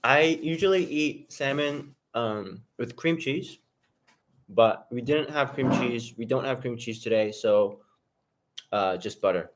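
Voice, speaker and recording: A man's voice: mid-range voice, takes it slowly. A man hosting a casual live stream, talking loosely to viewers in the chat while he eats. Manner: loose, rambling, talks straight to viewers in chat. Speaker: livestream host.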